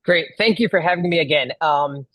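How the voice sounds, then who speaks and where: A man's voice: a little high, fairly quick, bright, forceful tone, no room sound. A middle-aged man from Malaysia, a guest event planner, talking casually with many ums and restarts. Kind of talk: casual interview talk.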